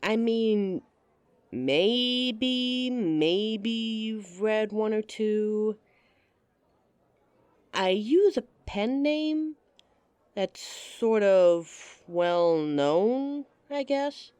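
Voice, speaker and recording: A woman's voice: medium pitch, animated, very slow, darkish tone, smooth, dry recording. A woman performing a scripted roleplay monologue to a listener, playful and giggly, with a teasing manner.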